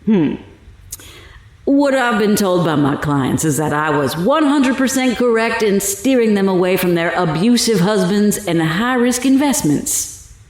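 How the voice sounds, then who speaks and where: An actress playing a sly, menacing older fortune teller accused of murder in an audio drama, taunting and theatrical in a drawl. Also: female voice, mid-range voice, animated, unhurried, darkish tone, echoey room, close to an everyday voice. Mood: sly, matter-of-fact.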